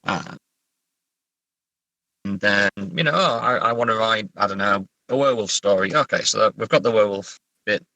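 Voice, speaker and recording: Bright, close-sounding man chatting. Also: on the low side, normal speed, pauses often, dry recording, poor audio. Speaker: writer, podcast guest. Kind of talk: casual interview chat about writing.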